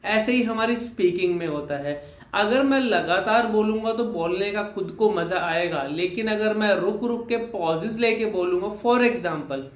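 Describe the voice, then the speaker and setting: Young male speech coach, high-pitched, explains step by step with repeated phrases; echoey room. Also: normal speed. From Haryana, India. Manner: mixes English terms into Hindi, repeats phrases for emphasis. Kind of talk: explanatory lesson talk.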